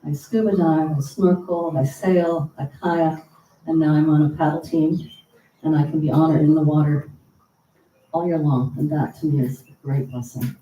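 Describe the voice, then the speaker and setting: Welcoming guests and sharing announcements at a church service, an American woman speaks earnestly in a warm, low voice with a steady tone and normal speed. Her mic sits at a distance in a roomy space, and a faint hum runs through it.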